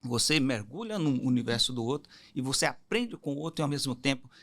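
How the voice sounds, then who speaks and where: A man's voice: medium pitch, animated, fairly quick, fairly bright tone. A man in his fifties from Goiás, a teacher answering as a podcast guest, reflective and searching for words. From Goiás, Brazil. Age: 50s. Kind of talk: casual interview chat.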